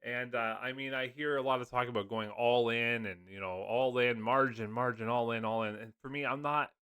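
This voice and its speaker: A man's voice: mid-range voice, steady tone, normal speed, pushed and bright, clean tone, dry recording, clean studio sound. A man, just over a cold, casually explaining funds in a loose, chatty video talk full of fillers. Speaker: finance video host. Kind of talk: casual screen-share explainer.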